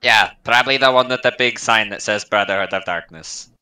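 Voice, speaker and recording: A man's voice: fairly low pitch, fairly quick, bright, forceful tone. A man playing a tabletop game, describing his character with jokes and lots of fillers. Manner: jokey, filler-heavy descriptions. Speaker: player. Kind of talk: casual tabletop play over voice chat.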